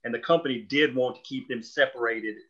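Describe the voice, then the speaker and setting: A man's voice: medium pitch, fairly even intonation, fairly quick, sharp tone, highs cut off. A man explaining storytelling choices in a group discussion, talking discursively as a writer of the show.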